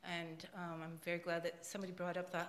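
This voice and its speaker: An older woman in the audience giving an impassioned comment into a handheld microphone at a panel, getting louder and more emphatic. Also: fairly low pitch, monotone, fast talker, slight background noise. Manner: emphatic, grows louder and forceful. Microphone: handheld microphone passed in audience. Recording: echoey room.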